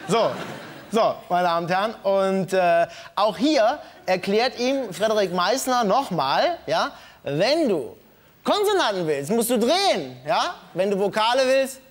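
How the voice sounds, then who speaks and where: A man's voice: high voice, sing-song, measured pace. A man hosting a late-night comedy show, explaining the rules with mock earnestness to a live studio audience. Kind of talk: comic studio presentation.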